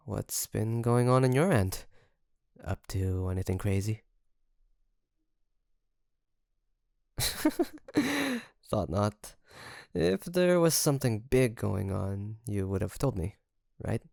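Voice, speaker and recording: A man's voice: on the low side, big pitch swings, vocal fry, no echo, studio quality, exaggerated voice. A man playing a nervous, caring young best friend in an intimate audio roleplay, speaking hesitantly and straight to the listener. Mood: nervous, friendly. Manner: hesitant, halting, soft nervous chuckles. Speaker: voice actor.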